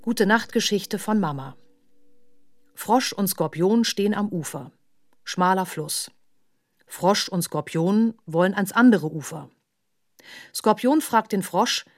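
A woman playing an anguished narrator in a bleak literary radio play, reciting short fragmented lines deliberately and starkly. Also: mid-range voice, lively intonation. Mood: subdued.

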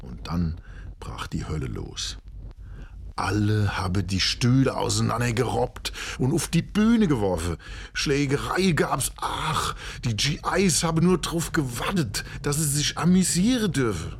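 A man's voice: mid-range voice, very animated, measured pace, creaky, a little hiss or hum. An actor playing an agitated local concertgoer with a Hessian German accent, telling his story colloquially and indignantly in a radio play. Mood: indignant, excited. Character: agitated local concertgoer, gruffly recounting a rock-show brawl.

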